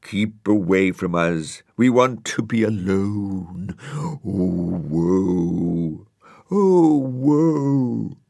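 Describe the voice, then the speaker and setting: Gloomy weeping willow trees, voiced by a man wail in slow, drawn-out moans. The sound is sorrowful and dragging, with a gravelly edge. It is recorded dry. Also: low-pitched, fairly even intonation, dry recording, full character voice. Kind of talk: storybook character voice.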